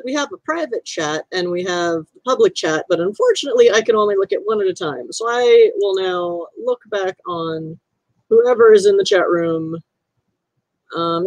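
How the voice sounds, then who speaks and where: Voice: medium pitch, dry recording, rough recording. A game master chatting casually with livestream viewers over headset audio, rambling and trailing off with fillers.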